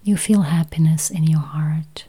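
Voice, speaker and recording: A woman leads a guided meditation in a soft, whispery voice, gently speaking in short, spaced phrases. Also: deep voice, measured pace, breathy edge. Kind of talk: guided meditation, counting and affirmations.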